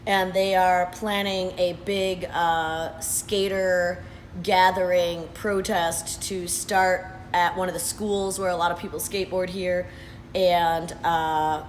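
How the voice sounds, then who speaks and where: A hoarse man in his thirties talks earnestly in a casual vlog, pausing often with "uh" and "um". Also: high-pitched, little pitch movement, slight background noise, poor audio. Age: 30s. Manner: earnest, unhurried, with frequent "uh" and "um". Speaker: vlogger. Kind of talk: casual talking-head update. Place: sitting at his workplace after hours.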